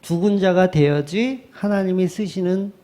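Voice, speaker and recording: Korean pastor guy preaching, kinda high voice but mellow tone, lively with little acted bits. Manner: lively preaching, acting out the crowd and Moses in quick asides. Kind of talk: sermon.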